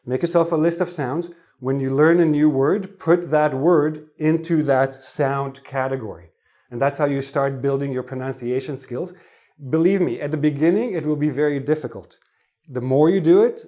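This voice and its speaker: Man enunciating pronunciation drills slowly. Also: medium pitch, darkish tone. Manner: slow, deliberate word-by-word enunciation with asides. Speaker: English pronunciation teacher. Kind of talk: whiteboard lesson to camera.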